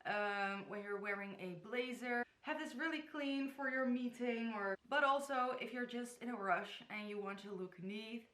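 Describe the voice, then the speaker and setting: A woman's voice: a little high, moderate pace, hardly any pauses, a bit bright. A young woman from the Netherlands, chatty and giggly, showing hijab styles to camera in her bedroom. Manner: chatty, giggly, stumbles over place names. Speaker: hijab tutorial vlogger. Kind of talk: casual tutorial talk to camera. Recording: echoey bedroom.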